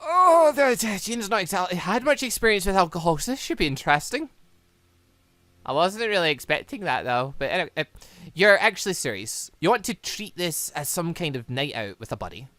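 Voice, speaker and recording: A man hosts a gaming let's-play in a bright, fairly high voice. His pitch moves around a lot as he rambles casually between reading game dialogue and commenting on it. The sound is close and dry. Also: big pitch swings, fairly quick, dry recording. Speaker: gaming channel host.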